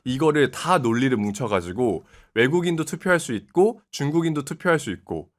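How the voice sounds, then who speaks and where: Young male commentator, 20s, animated delivery, steady explainer. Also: medium pitch, a little fast. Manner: explanatory, steady, frequent short acknowledgments. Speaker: guest commentator. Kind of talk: casual political talk.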